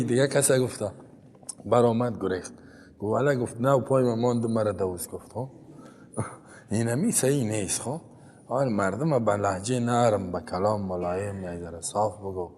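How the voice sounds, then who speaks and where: A Quran teacher with an Afghan Dari accent recites Arabic verses, then explains them in plain, chatty language, tossing in rhetorical "right?" asides. His medium-pitched voice is a little mellow, with a big-room sound.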